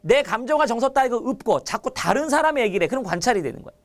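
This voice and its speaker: A man leads an online exam-prep lecture with a very lively, swooping delivery. He is chatty and animated, peppering his students with rhetorical questions and everyday analogies. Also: very high voice, fast talker. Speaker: Korean literature lecturer.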